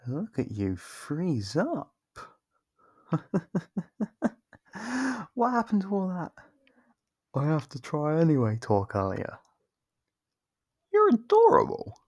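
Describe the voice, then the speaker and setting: A performer voicing a teasing, condescending, possessive vampire in an ASMR roleplay, slow and smug with a husky voice. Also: medium pitch, wildly swooping pitch, darkish tone, no room sound, clean studio sound, full character voice. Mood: gloating, menacing.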